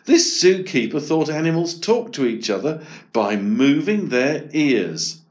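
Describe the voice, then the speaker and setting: A man voicing a curious, excitable young boy in a storybook reading, full of eager questions. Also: a little high, a little slow, pitched above the performer's own voice.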